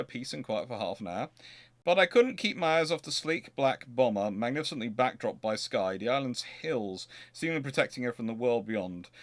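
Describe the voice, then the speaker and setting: A man with a medium-pitched voice presents as host of a history show. His delivery is informal and unpolished, with self-corrections as he works through questions and passages. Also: a bit bright. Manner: hesitant, thinking aloud, self-correcting. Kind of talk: informal question-and-answer talk and reading aloud from books.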